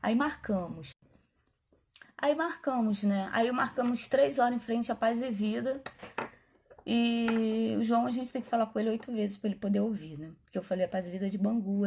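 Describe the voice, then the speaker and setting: A middle-aged woman pastor, telling her testimony in a chatty, animated way, acting out the dialogue as she goes. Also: mid-range voice, fast talker, creaky. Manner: animated, chatty, frequent asides and quoted dialogue. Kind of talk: testimony storytelling.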